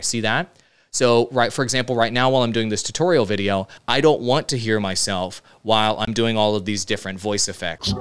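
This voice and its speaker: A man's voice: lowish voice, a bit bright, clear, resonant tone. A man, giving casual, emphatic step-by-step instruction as a tutorial host, checking in with listeners. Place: indoor studio with computer.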